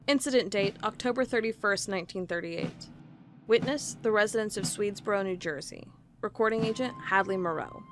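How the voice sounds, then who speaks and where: A woman's voice: mid-range voice, lightly acted. A woman playing a wry, curious investigator who records a log and reads old case files in an audio drama.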